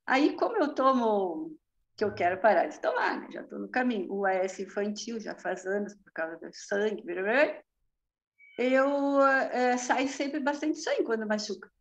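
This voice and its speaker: A woman's voice: a little high, animated, moderate pace. A woman tells a testimonial story in a chatty way, laughing often and adding tag questions, over a video call. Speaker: therapy practitioner giving a testimonial.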